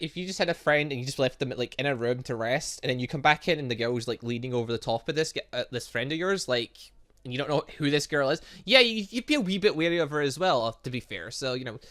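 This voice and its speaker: Bright-voiced, animated young man. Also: on the high side, fast. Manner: rambling, mildly sweary, stumbles when reading aloud. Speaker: gaming channel host. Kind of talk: casual let's play commentary, reading visual novel text aloud.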